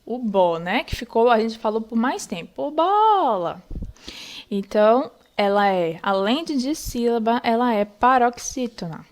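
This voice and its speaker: A woman's voice: on the high side, normal speed, few pauses, a little mellow. A young woman teaching an online lesson, explaining patiently step by step and checking in often with her students.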